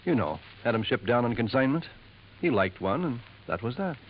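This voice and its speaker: An actor playing a smooth, confiding male jeweler who drops insinuating hints in a 1950s radio drama, on a dull old recording. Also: mid-range voice, very animated, normal speed, slight background noise, close to an everyday voice.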